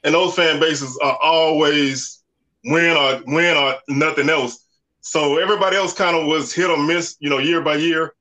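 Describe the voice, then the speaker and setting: A man, a podcast guest talking sports in a relaxed, conversational way. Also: on the high side, moderate pace, low-quality recording. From Southern United States. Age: 40s. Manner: relaxed, conversational, lots of "you know" and "man". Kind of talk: casual sports talk.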